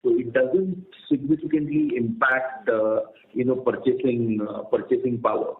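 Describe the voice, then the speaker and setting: A man speaking as a company executive on an earnings call, explaining in a halting way and repeating words. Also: medium pitch, lively intonation, gravelly. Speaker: company executive answering analysts. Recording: roomy, tinny conference phone line.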